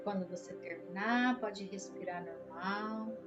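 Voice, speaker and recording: A Brazilian woman leads a guided meditation at a slow pace, leaving long pauses between instructions. Her voice sits at a middle pitch for a woman, with music playing behind it. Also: lo-fi sound.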